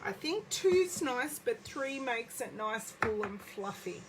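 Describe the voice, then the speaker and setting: An Australian woman with a slight croak in her voice, chatting casually with viewers during a live craft demonstration at home. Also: fairly high pitch, big pitch swings, slow pace, a little hiss or hum, low-quality recording. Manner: chatty, greets viewers by name. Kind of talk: casual live-stream craft demo chat. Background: movie playing in background.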